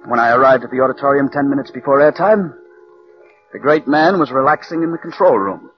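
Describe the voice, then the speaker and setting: An actor playing a calm, scheming writer who narrates his own murder plot in a 1940s radio drama. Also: medium pitch, lightly acted. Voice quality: measured, cool narration. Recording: dull old radio broadcast recording.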